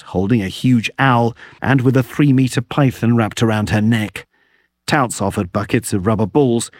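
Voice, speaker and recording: A man narrates a scripted radio report in a measured, gently wry tone. His voice sits at a middle pitch and sounds close and dry, with no room around it. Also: no room sound. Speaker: foreign correspondent.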